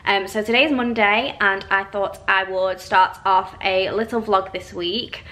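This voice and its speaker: A young woman chats to her camera in a relaxed vlog, with plenty of ums. Her voice is a bit croaky from a cold and sits at a middling pitch. The sound bounces around an echoey hotel room. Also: unhurried. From England. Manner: chatty, friendly, many ums. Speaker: beauty vlogger. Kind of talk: casual vlog chat to camera. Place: hotel room and tiled bathroom.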